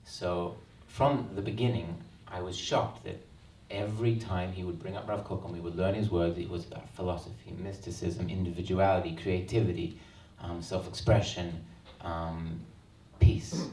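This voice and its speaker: Speaking at normal speed with few pauses, an Australian man in his 30s delivers a book launch talk as the author, low and flat but earnest and reflective, often saying um. He's recorded from a distance in a roomy event hall, with faint ambience and slight background noise.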